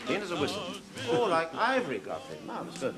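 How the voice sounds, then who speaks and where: An actor playing a vague, genteel middle-aged sergeant who talks in a polite, hesitant way and trails off. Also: male voice, on the high side, huge pitch swings, quick pace, loud music behind the voice. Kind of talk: 1970s TV sitcom acting.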